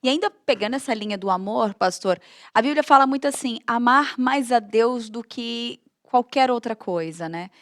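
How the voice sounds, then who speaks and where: A woman's voice: fairly high pitch, moderate pace, a bit bright, dry recording, clean studio sound. A young adult woman with a Brazilian Portuguese accent, hosting a casual talk show and prompting her guest with questions. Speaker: host.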